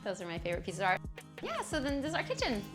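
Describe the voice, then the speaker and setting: A woman's voice: fairly high pitch, wildly swooping pitch, very fast. A woman from Hawaii in her thirties giving an enthusiastic, casual tour of her small home. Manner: warm, enthusiastic, laughs often. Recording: background music.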